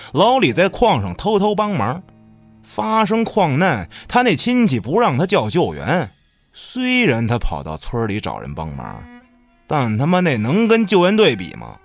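A man's voice: on the high side, heavily acted. An actor playing a big, burly, calculating man in a radio drama, mocking and menacing as he talks. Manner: mocking, deliberate, swearing.

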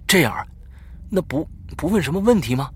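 A man's voice: mid-range voice, fairly quick, a bit bright, slightly rough. A man voicing his younger self as a curious, jumpy seventh-grade boy who keeps questioning his friend. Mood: suspicious. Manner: startled, questioning.

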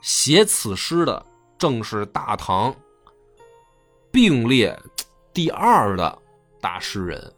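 A man's voice: medium pitch, wildly swooping pitch, slow, pauses often, faint music behind. A man telling history in a colloquial, slangy way. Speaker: history storyteller. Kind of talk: casual storytelling chat.

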